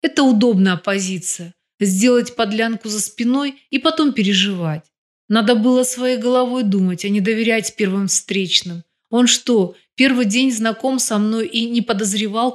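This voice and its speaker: Sharp-tongued headstrong crime boss, read by a woman. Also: fairly high pitch, moderate pace, close to an everyday voice. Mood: defiant. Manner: sharp, cutting.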